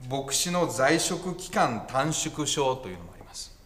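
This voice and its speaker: A man's voice: mid-range voice, sing-song, a little slow, fairly bright tone. A male pastor preaching a conversational sermon with wry asides and self-corrections.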